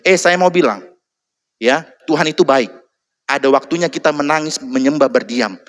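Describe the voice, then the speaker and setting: Man preaching, animated sermon, slightly high voice, calls for amen. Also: moderate pace.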